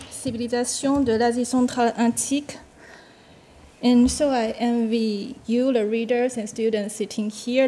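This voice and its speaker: A woman's voice: medium pitch, dark tone. A woman whose first language is Chinese, speaking English as a discussant at an academic seminar, hesitant, with frequent fillers and short laughs.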